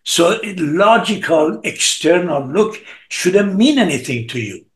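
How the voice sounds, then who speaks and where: Older guy in his 70s teaching art on a call, highish animated voice, kinda echoey. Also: measured pace. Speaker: art teacher hosting an online gathering. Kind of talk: encouraging informal teaching on a group call. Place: living room at home, on a video call. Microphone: computer mic on a video call. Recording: roomy video-call sound.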